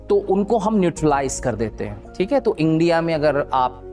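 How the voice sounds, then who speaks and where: A man's voice: on the high side, very animated, moderate pace, darkish tone, faint music behind. A man with an Indian accent teaching spoken English, switching between Hindi and English with frequent fillers and restarts.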